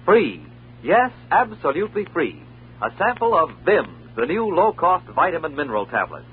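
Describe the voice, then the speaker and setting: A man's voice: wildly swooping pitch, normal speed. A man reading an upbeat commercial as a radio announcer on an old-time radio broadcast. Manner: upbeat salesman's pitch. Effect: old-time radio broadcast sound. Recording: tinny lo-fi old radio broadcast with faint hiss.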